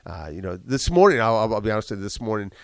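A man's voice: fairly low pitch, very animated, fast, vocal fry, no room sound. A man who is a business owner speaks candidly in an interview. He is congested, repeats himself a lot and talks with emphasis. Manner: emphatic, repeats words often. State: congested, chesty cough.

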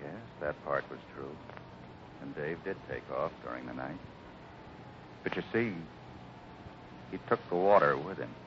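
A grave, kindly cowboy boss with a low voice, speaking in slow, solemn phrases. It is 1950s Western radio acting, muffled and buried in hiss. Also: male voice, lively intonation. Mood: quiet, regretful. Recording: muffled, noisy old radio recording.

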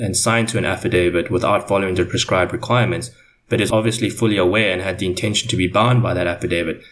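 A man's voice: lowish voice, a little hiss or hum. A man giving formal, wordy explanations as a panelist in a semi-scripted legal discussion.

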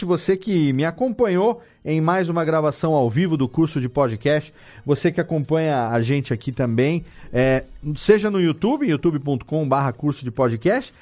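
A man's voice: on the high side, a little mellow. A man with a Brazilian Portuguese accent hosting a live podcast in a casual, conversational style. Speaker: podcast host.

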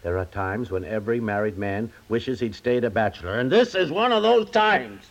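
A man's voice: lowish voice, lively intonation, moderate pace. A man playing a stubborn, sulky husband in 1950s radio comedy, indignant and stammering, repeating himself. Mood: sulky, hurt. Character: stubborn aggrieved middle-class husband, sulky and wounded. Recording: slightly dull 1950s radio recording.

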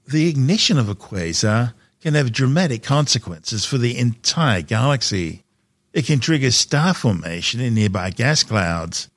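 Male science news narrator, lively melodic delivery, emphatic phrasing, tight dry studio sound. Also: on the low side, no echo.

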